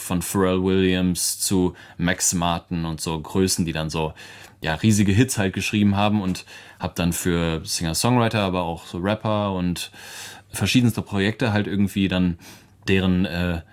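A young musician in his twenties, a native English speaker, answers a radio interviewer's questions in a relaxed, chatty way, laughing frequently. His voice sits low, with fairly even intonation and a moderate pace.

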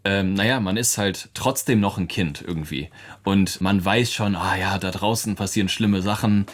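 A man's voice: low voice, moderate pace. A young man in his twenties, a musician guest, answering interview questions in a casual, chatty way with frequent laughs. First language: English. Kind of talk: relaxed radio interview answers.

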